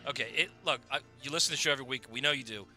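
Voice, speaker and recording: A man co-hosting a radio show, chatting and asking quick follow-up questions. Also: mid-range voice, pushed and bright, soft background music. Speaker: radio co-host. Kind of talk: casual radio chat. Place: radio studio.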